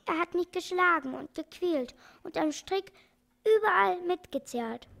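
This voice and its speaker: A timid, tearful little monkey from a children's storybook, as a woman narrator puts it on. The voice is pitched high and comes out shaky and pleading. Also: unhurried. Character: small, thin, frightened pet monkey.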